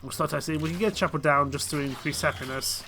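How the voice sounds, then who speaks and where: A man with a cold and a croaky voice, giving casual, hesitant commentary while playing a strategy game. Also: a little high, fairly even intonation, fast talker, background noise. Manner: hesitant, full of ums and restarts. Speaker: game streamer.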